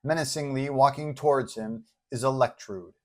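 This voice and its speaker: A man's voice: mid-range voice, normal speed. A man with a mid-range voice hosts and narrates a superhero serial. His delivery is scripted storytelling, read aloud to listeners. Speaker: storyteller and host.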